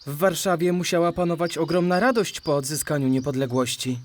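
A man playing a curious, eager young male cartoon animal in a children's audio drama, inquisitive and expressive. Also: a little high, brisk, slight background noise, lightly acted.

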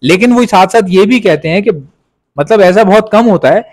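A man's voice: sits high, normal speed, darkish tone, no echo. A man from Pakistan with a Pakistani Urdu accent, a pet breeder chatting casually in his vlog and repeating points for emphasis.

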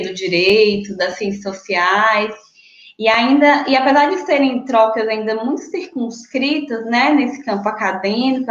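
Speaking on the high side, with a little hiss or hum in the audio, a young Brazilian panelist and graduate researcher contributes to a university panel from home. Her casual, thoughtful talk is full of fillers and restarts, picked up by a laptop webcam in an echoey small room with dull lo-fi sound.

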